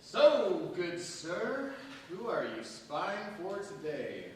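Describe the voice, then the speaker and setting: An actor playing a sardonic, defiant imprisoned militant in a theatrical staged reading, declamatory and deliberate. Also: male voice, wildly swooping pitch, exaggerated voice. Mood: mocking. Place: large echoing hall, staged reading. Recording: very echoey hall, distant mic, faint rumble.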